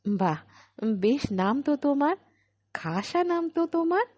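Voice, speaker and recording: A woman voicing a kindly, mild male tutor in an audio story, hesitant and gently inquisitive. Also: high-pitched, very animated, unhurried, no room sound, pitched above the performer's own voice. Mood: delighted. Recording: slightly dull, lo-fi recording.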